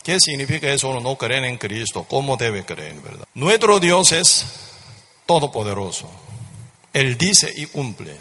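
A man's voice: medium pitch, big pitch swings, a little slow, bright, forceful tone, husky. A man preaching a sermon with fervent repetition, often tossing rhetorical questions at his listeners. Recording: reverberant hall.

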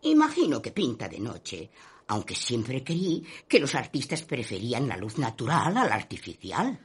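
A sympathetic, gossipy woman shopkeeper for a radio play. Her voice is very husky and deep for a woman. She muses theatrically, with animated rises and falls. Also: normal speed, exaggerated voice. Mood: mildly complaining. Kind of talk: Spanish radio play acting.

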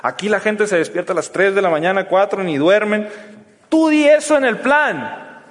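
A Mexican man with a high voice gives an energetic motivational talk on a stage. He speaks in casual slang and acts out short exchanges between people. His voice rings with the long reverb of a large event hall. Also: normal speed. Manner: energetic, acts out dialogues with slangy colloquial Spanish.

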